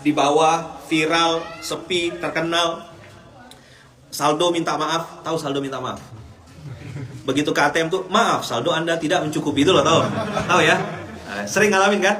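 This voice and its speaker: Joking Indonesian preacher in a roomy hall. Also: male voice, a little high, fairly bright tone. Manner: jokey, teasing, asks the crowd questions. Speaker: Islamic preacher. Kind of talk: humorous sermon to a live audience. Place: hall in Japan.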